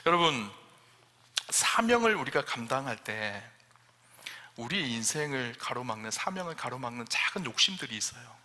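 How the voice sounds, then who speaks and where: A man's voice: mid-range voice, very animated, normal speed, bright, forceful tone. A middle-aged male senior pastor telling a story in a sermon, acting out the dialogue and rising to emphatic questions. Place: church sanctuary. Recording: long church hall reverb.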